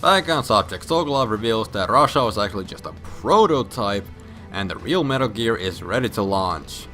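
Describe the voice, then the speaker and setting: A drunk man tells a story in a casual, comedic recap. His voice is low and forceful, and he rambles and swears with emphatic outbursts. Faint music plays behind him. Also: lively intonation, normal speed. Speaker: video game storyline explainer. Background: background music.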